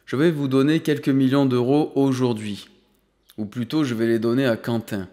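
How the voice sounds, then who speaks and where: Un homme qui prête sa voix à un vieil homme riche, enthousiaste et autoritaire, dans un livre audio, avec une longue réverbération. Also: male voice, medium pitch, fairly even intonation, moderate pace, warm tone, natural voice. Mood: enthusiastic. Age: older. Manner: enthusiastic, emphatic, playful. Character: exuberant elderly rich grandfather, suddenly generous. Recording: long hall reverb.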